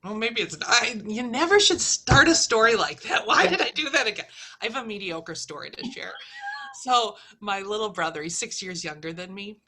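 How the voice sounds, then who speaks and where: A middle-aged woman co-hosting a casual stitching chat, an animated storyteller who laughs often. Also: mid-range voice, moderate pace. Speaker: flosstube co-host.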